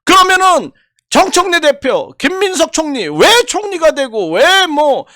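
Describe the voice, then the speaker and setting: An older man with a strikingly high voice rails with indignation, firing off rhetorical questions and hammering repeated phrases. He is recorded close up with a dry, roomless sound. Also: sing-song, unhurried, bright, forceful tone, dry recording. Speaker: YouTube commentator. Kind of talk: impassioned political commentary.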